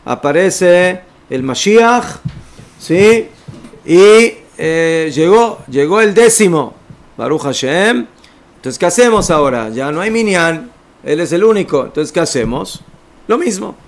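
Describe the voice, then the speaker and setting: A man teaching an informal religious law lesson, explaining step by step and checking in with his listeners. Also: fairly high pitch. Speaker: rabbi teaching a class.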